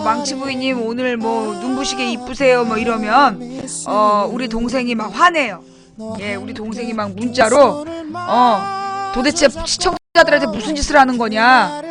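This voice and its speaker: A middle-aged woman chats on her live stream, rattling off thank-yous to viewers and flaring into playful indignation. Her voice sits a little high. Music plays clearly behind her. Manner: chatty, thanks viewers by name, bursts into mock outrage. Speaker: live-stream talk show host. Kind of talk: casual live-stream chat.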